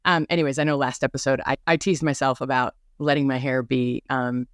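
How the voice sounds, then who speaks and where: A woman's voice: very deep voice, steady tone, brisk, no echo. Chatty woman podcaster, rambling asides, slight trouble with R's, dry close sound. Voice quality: mild speech impediment with some R sounds. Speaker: podcast host. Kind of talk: casual rambling monologue.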